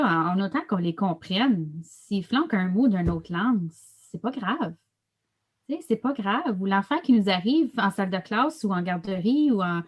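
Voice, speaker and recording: Woman educator, mid pitch, hesitant repetitive speech. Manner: hesitant, stumbling repetitions, then emphatic. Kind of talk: casual conversation.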